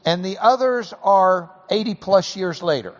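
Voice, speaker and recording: A Texan man with a slightly high voice hosts a live talk in a large room, easygoing and full of jokes. His voice rings with a long hall echo. The sound is dull and muffled, as if picked up from the room. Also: animated. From Texas. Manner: folksy and joking, slows things down to explain. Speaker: host. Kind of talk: live interview before a class.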